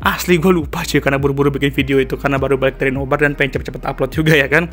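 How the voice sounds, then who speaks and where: Fast-talking hoarse man. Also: mid-range voice, fairly even intonation, a bit bright. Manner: chatty, slangy Jakarta-style casual talk. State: slightly hoarse. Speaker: F1 commentary YouTuber. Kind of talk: casual vlog commentary. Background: background music.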